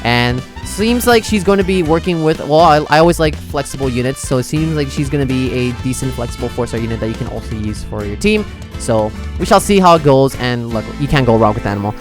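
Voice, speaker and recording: A man's voice: mid-range voice, expressive, brisk. A man doing chatty, casual reaction commentary as a gaming content creator, sometimes reading game text aloud. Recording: music behind the voice. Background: music.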